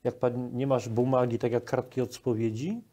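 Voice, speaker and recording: A man's voice: mid-range voice, level tone, normal speed, mellow. A man in his forties interviewing a guest as a program host, on a lapel microphone in a studio. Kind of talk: broadcast interview.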